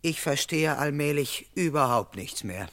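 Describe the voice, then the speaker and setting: An actor playing a brisk, self-assured male police constable who questions people officiously and also narrates, in a radio play. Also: fairly high pitch, lively intonation, a bit bright. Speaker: narrator and investigator.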